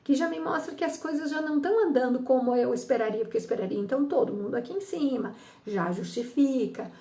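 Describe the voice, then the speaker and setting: In a high, dark-toned voice at a quick pace, a Brazilian woman of middle age who works as an audiologist and psychologist teaches listeners why ears ring. She frequently checks in with "tá?" and imitates her patients' remarks.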